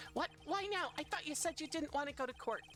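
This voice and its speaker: A woman puts on a squeaky character voice at a very fast pace. Clear background noise can be heard. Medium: game stream.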